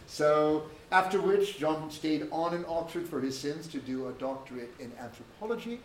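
Host, male, measured academic intro, slightly high voice, recorded from afar in an echoey room. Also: recorded from a distance, slight background noise. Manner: measured, academic, dryly joking. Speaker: event host introducing a speaker. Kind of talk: formal spoken introduction. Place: lecture room.

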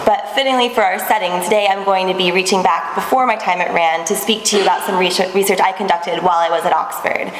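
Woman in her 20s giving a panel talk, even lecturing pace, bit of hiss, echoey room. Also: medium pitch. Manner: clear, measured lecturing with occasional restarts. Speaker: conference panel presenter. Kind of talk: academic presentation. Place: small seminar room. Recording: echoey room with long reverb, faint background noise.

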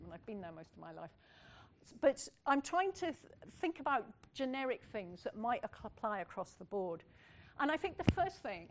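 A woman's voice: medium pitch, a little hiss or hum. An older woman giving a candid, earnest public lecture, speaking plainly with frequent asides. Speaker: university lecturer.

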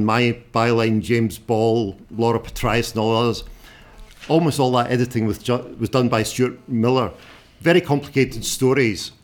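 A man in his sixties with a strong Scottish accent gives an informal, unscripted talk as a journalist, speaking plainly and haltingly. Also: mid-range voice. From Scotland. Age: 60s.

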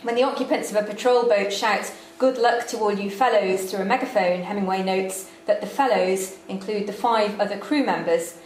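Female lecturer, measured delivery with a dry wit and plenty of ums; roomy hall sound with a faint hiss under it. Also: medium pitch, steady tone. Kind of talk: academic lecture with slides. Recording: echoey room with faint background noise.

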